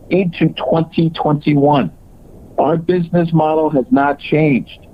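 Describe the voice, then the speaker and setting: A man presenting as a company executive, reading scripted earnings call remarks in a halting way with broken phrasing. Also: on the high side. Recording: dull, lo-fi conference call audio.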